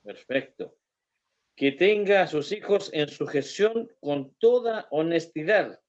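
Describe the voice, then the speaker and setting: A man, a Bible study participant who reads verses in a halting way and comments. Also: a little high, animated, lo-fi sound. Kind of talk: reading scripture and discussing.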